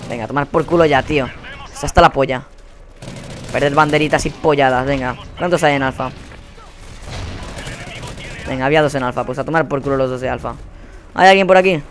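A young man with a Spain Spanish accent giving live gameplay commentary. He rants in a profane, exasperated way and often bursts into yelling. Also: medium pitch, a little fast, pauses often, a little hiss or hum. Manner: profane, exasperated ranting with sudden yelled outbursts. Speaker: gaming channel host.

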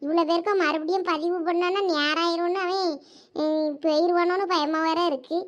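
Very high-voiced Thoothukudi village woman. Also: steady tone, brisk, dull audio. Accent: Thoothukudi Tamil. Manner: complaining, gossipy. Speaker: comedy skit performer. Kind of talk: village comedy skit.

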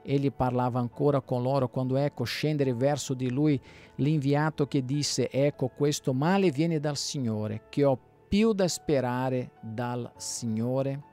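A man, a pastor, reading the Bible aloud in a plain steady way, now and then stumbling and restarting a word. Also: medium pitch, measured pace, faint music behind.

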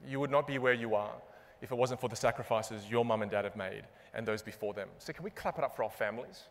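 A young man giving a comedic keynote on a large conference stage, animated and self-mocking, landing punchline after punchline. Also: mid-range voice, fast talker. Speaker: keynote speaker and magician. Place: large conference stage before a live audience. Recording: long reverb of a big hall.

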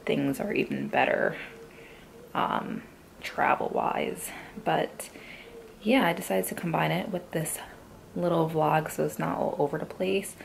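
A young woman with a raspy morning voice, chatting casually to her camera from a hotel room. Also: low-pitched, very animated, a little slow, a little hiss or hum, rough recording. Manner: chatty, filler-heavy, rambling. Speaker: vlogger. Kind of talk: casual vlog chat.

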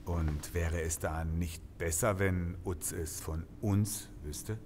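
A man's voice: sits low, steady tone, takes it slowly, a little mellow, a little hiss or hum. A man playing an easygoing small-town police detective in an audio drama, speaking in a familiar, colloquial way. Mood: dismayed. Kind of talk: German audio drama acting.

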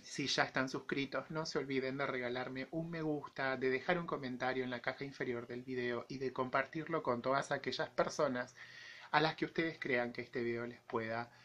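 With dull audio, a YouTube vlogger in his forties offers his personal opinions to camera in an Argentine accent. He talks at a normal speed, medium pitch, with fairly even intonation and a slightly bright tone, his voice touched by an infection he's recovering from.

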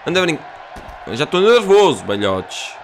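Excitable Portuguese man with a bright, lively voice. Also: fairly high pitch, normal speed, a faint crowd, a little hiss or hum. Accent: European Portuguese. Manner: loud, excitable, swears and mixes in English. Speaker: gaming youtuber. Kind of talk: excited gameplay commentary.

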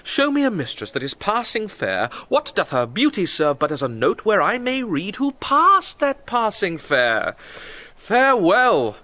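Brooding young nobleman, British, radio verse drama: bright, highish voice, melancholy and declamatory. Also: huge pitch swings, unhurried, full character voice. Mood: lovelorn. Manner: declamatory, sighing, ornate verse delivery. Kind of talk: Shakespearean radio drama acting.

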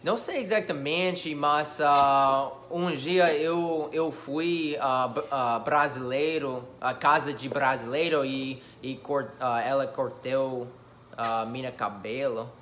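Halting young American man, very slow. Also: mid-range voice, a bit bright, slight background noise. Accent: American English. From United States. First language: English. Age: young adult. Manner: halting, searching for words in a learned language. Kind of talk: casual question-and-answer chat. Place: small living room, on a couch.

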